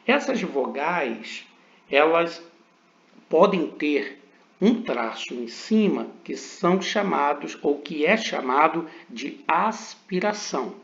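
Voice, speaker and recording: A man gives a recorded lesson at a very unhurried pace, his voice sitting a little higher than most men's. He sounds out each letter and vowel one by one with deliberate care. The recording is dull and lo-fi. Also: gravelly, a bit bright. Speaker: teacher. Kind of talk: recorded lecture on slides.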